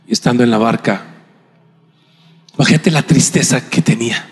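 A man preaching a sermon, telling the story dramatically, acting out scenes and bursting into shouts. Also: mid-range voice, moderate pace. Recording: long hall reverb, faint music.

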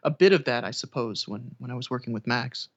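A man's voice: mid-range voice, brisk, a bit bright, lo-fi sound. A man chatting casually as a podcast guest, talking about his work as a narrator in a hesitant way with restarted phrases. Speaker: audiobook narrator and voice actor.

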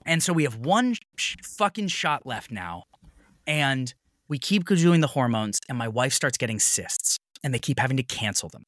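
Man in his thirties from Maine, podcast guest, lively swinging pitch, heated storytelling, swears a lot, dry close-mic sound. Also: moderate pace, dry recording. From Maine, USA. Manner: heated, swears freely, voices others in retold dialogue. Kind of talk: casual storytelling conversation.

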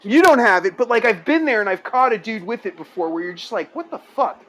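A man's voice: high-pitched, lively intonation, fairly quick, fairly bright tone, slight background noise. A man from California calling in to chat casually, rambling and swearing, laughing often. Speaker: caller.

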